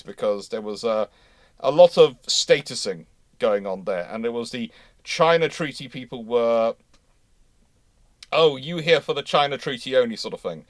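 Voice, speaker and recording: Male host, mid-pitched, dry close sound, rambling discursive delivery that circles back on phrases. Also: no room sound. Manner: rambling, repeats and reworks phrases. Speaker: host of a live naval history Q&A. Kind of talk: unscripted discussion, reading out viewer questions.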